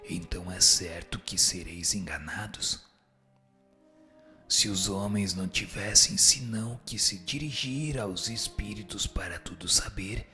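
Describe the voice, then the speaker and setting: Radio drama spirit, played by a man: Brazilian accent, stern moral teacher, unhurried and crisp-edged, solemn delivery. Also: lowish voice, sharp tone. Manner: solemn, didactic. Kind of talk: scripted radio drama reading of a spiritist text.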